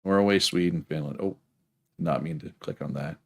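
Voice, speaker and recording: A man's voice: deep voice, moderate pace, creaky, darkish tone. A man with a Prince Edward Island Canadian accent chatting casually to viewers on a game livestream in a rambling way. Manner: rambling, often checks with "right?".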